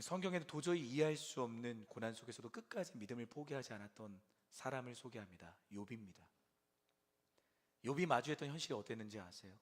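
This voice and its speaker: A young adult man preaching a sermon to a church service, swinging from loud pleading to hushed, almost whispered lines. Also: mid-range voice. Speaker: pastor.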